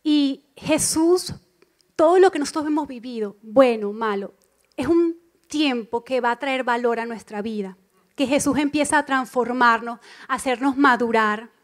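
A woman preaching a sermon to a church congregation, emphatic and expressive, repeating key phrases and acting out inner voices. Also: high-pitched, normal speed. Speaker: church speaker.

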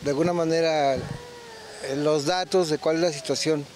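An older Mexican man answers a reporter in a town square, speaking thoughtfully and pausing to find his words. His voice is a little high. Faint street ambience sits behind the handheld mic. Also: fairly even intonation, darkish tone, slight background noise. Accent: Mexican Spanish. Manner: thoughtful, hesitant, with many fillers. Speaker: interviewee on the street. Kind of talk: casual street interview.

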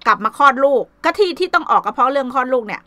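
An older woman with a high, bright voice, ranting in a blunt, coarse, scolding way in casual chat. The sound is dry, with no room echo. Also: animated, racing. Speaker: vlogger. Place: Sweden.

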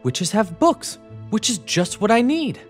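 An eager, slow-witted male zombie played by a man speaks in rhyme for a children's puppet show. The voice is pushed high and swings about, with music behind it. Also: big pitch swings.

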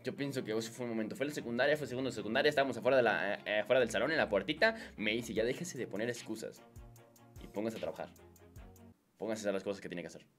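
A man in his twenties with a Mexican Spanish accent, chatting casually to camera as a YouTuber, answering viewer questions in relaxed slang, rising high to read them and sinking low to answer. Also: racing, soft background music. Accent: Mexican Spanish, with a mixed lilt. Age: 20s. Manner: relaxed slangy chat, swings high and loud reading questions, drops low and soft answering. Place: small home studio room, indoors. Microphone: studio condenser mic on boom arm.

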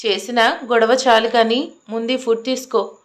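A woman's voice: fairly high pitch, fairly even intonation, moderate pace, natural voice. A woman voicing an arrogant, stubborn young man who speaks in curt, commanding lines in an audio love story. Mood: stern, bossy.

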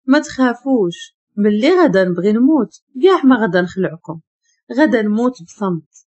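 A woman's voice: medium pitch, lively intonation, normal speed, a little mellow, slightly rough, highs cut off. Frail dying girl, voiced by a woman. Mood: weak, tender. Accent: Moroccan. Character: frail dying orphan girl, gentle and sweet.

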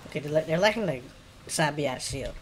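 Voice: mid-range voice, animated, fast talker. A streamer with an African American English accent, giving casual, slangy live game commentary and muttering reactions to the play. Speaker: gaming streamer. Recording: clear background noise with keyboard clicking.

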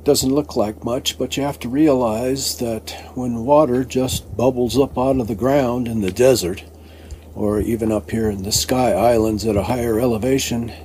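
An older man telling a rambling travel story in a casual vlog, with many pauses and fillers, sometimes out of breath as he hikes uphill outdoors. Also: medium pitch, darkish tone, slight background noise. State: out of breath while hiking uphill. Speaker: travel vlogger. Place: outdoors on a desert hillside.

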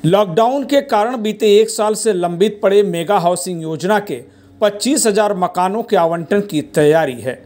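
A man narrating a news report as a reporter, in steady, formal narration. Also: high-pitched, moderate pace.

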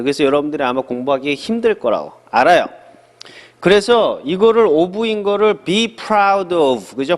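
A middle-aged man teaching an English lesson in a studio, lively and chatty, asking questions and answering them himself. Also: high voice, in a large hall. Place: small studio.

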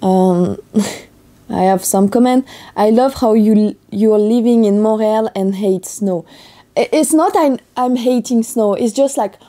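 A young woman from France speaking English with a French accent, chatting casually in her vlog with a hoarse morning voice. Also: mid-range voice, unhurried, dark tone. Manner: chatty, upbeat, loose non-native phrasing. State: hoarse from just waking up. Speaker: athlete vlogger.

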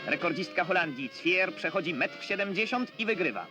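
A man narrating a 1960s newsreel sports report, announcing results and times in crisp, clipped phrases. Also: sits high, expressive, moderate pace. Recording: old newsreel soundtrack with loud music underneath.

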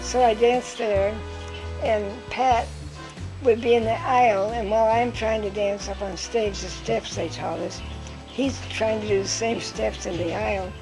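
An older woman recounting memories from her life in an interview, telling stories lively and acting out what people said. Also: mid-range voice, measured pace, over music, low-quality recording. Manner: lively storyteller who acts out quotes with laughs.

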